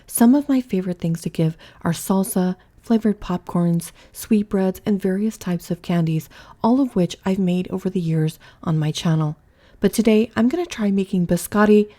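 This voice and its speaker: This cooking channel host speaks in a lowish, warm voice. She chats her way through each step of a home cooking vlog from her kitchen, loose and thinking out loud.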